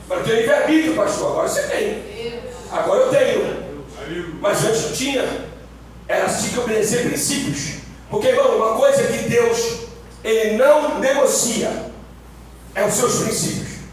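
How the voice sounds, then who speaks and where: Brief: high-pitched pastor shouting his sermon, heavy church echo. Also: normal speed, pauses often, far from the mic, slight background noise. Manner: shouting, repetitive, exclamatory. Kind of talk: Pentecostal sermon. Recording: echoey church from afar.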